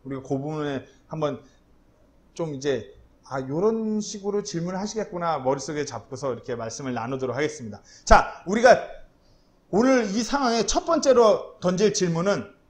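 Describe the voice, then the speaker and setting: A man preaching a sermon as pastor, telling the story in a lively way with personal asides. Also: a little high, moderate pace. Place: church.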